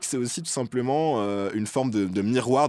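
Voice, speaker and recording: Moderate in pace with ordinary pitch variation, this man has an unremarkable speaking voice. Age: 30s. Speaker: podcast host. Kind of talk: casual chat.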